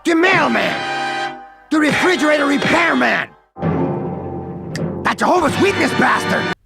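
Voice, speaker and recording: Creaky, high-pitched crude cartoon chihuahua. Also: male voice, lively intonation, a little slow, heavily acted. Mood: angry bullying. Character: crude, volatile, bullying male cartoon chihuahua expecting fatherhood. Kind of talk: exaggerated adult cartoon voice acting. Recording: music behind cartoon clip audio.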